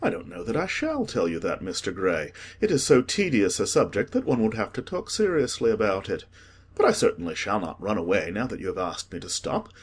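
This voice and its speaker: A man voicing a witty, languid aristocratic gentleman with a teasing, ironic manner. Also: on the low side, wildly swooping pitch, brisk, husky, full character voice.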